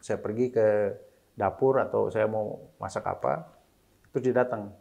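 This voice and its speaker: An unhurried, creaky, fairly low voice comes from a middle-aged man interviewed as a single father. His casual talk includes English phrases, and he gets lively when quoting his kids.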